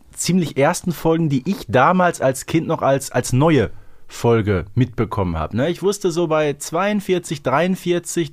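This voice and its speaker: A man's voice: mid-range voice, no echo, studio quality. A man in his forties co-hosting a podcast in a casual, conversational style. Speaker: podcast co-host. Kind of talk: casual chat.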